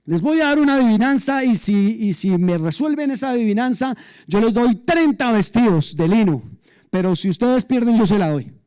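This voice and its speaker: A man's voice: very high voice, animated, moderate pace, a little mellow, clean tone, pitched above the performer's own voice. A man voicing the biblical strongman Samson, challenging and exasperated, in a retold sermon story. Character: boastful angry strongman Samson, male.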